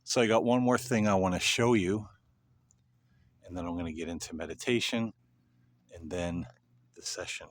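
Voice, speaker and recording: A man talking casually and unscripted to camera as a paranormal vlog host, with a halting delivery that pauses mid-sentence. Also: deep voice. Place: parking lot at night.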